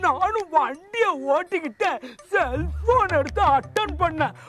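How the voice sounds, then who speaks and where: A woman's voice: extremely high pitch, animated, unhurried, fairly bright tone. A woman acting in a comedy sketch, telling long stories that end in punchlines. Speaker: storyteller father figure in a sketch.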